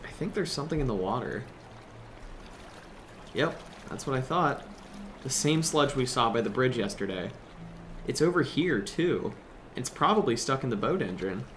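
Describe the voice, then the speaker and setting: Actor playing young man mechanic, medium pitch, modest, practical, natural drama delivery, noticeable water and boat noise. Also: expressive, normal speed, pauses often, a bit bright, lightly acted. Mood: concerned. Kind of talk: naturalistic audio drama acting.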